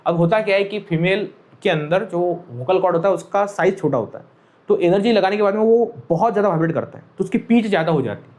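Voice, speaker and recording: Here a man teaches physics in a classroom lecture, his voice high and a little mellow, moving quickly with lively intonation. His Hindi is sprinkled with English terms, and he repeats important phrases while regularly checking that students follow along.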